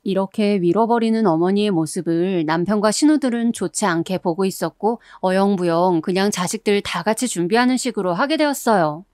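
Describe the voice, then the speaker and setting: A woman's voice: mid-range voice, a little fast, few pauses, darkish tone, no echo, studio quality. A woman reading a first-person story as a radio-style narrator, in a confiding storytelling manner.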